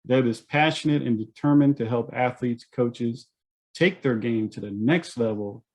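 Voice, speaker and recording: A man hosts an interview podcast, speaking in an upbeat, enthusiastic way with the occasional filler and restart. His voice sits at an average pitch for a man. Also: normal speed. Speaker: podcast host. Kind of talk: interview host introduction and questions.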